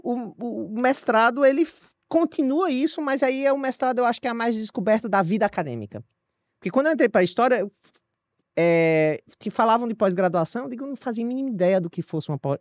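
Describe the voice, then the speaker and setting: A man with a northeastern Brazilian accent, a guest historian telling his own story in an interview, animated and self-deprecating. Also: high voice, dry recording. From Northeast Brazil (Paraíba, Ceará). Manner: animated, self-deprecating, frequent restarts and laughs. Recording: dull lo-fi dry audio.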